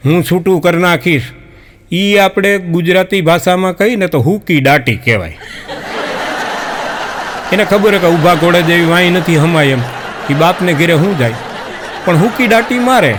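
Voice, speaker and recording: High-voiced man telling jokes. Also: slight background noise. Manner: animated storytelling with voiced characters. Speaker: comedian storyteller. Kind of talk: stand-up folk storytelling.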